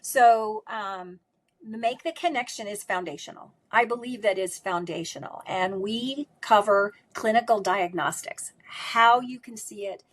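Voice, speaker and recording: A middle-aged woman with a strong voice speaks at a medium pitch in an emphatic, conversational way. She often caps her points with a quick "right?" as she explains her work. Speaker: speech pathologist and course instructor. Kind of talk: conversational interview answers.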